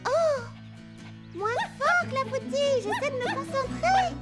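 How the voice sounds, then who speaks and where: A woman voicing a cheerful, kind, organised young girl heroine in a children's cartoon, expressive and earnest. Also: very high-pitched, takes it slowly, over loud music, full character voice. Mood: dreamy, focused. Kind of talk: animated children's cartoon dub.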